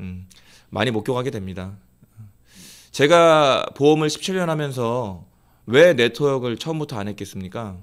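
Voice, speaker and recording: A man with lively intonation and big swings in loudness, at a moderate pace with long, frequent pauses, against a quiet background. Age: 40s. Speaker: insurance-manager-turned-network marketing lecturer; presenter. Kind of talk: business presentation lecture. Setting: online video broadcast. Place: studio. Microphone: lapel.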